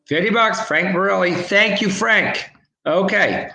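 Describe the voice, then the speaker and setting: A man with a high, creaky, bright, and forceful voice serves as co-host and auction caller for a charity livestream, chatting and calling bids rapidly and repeatedly. He's in a room at home on a webcam video call, and the sound echoes around the room.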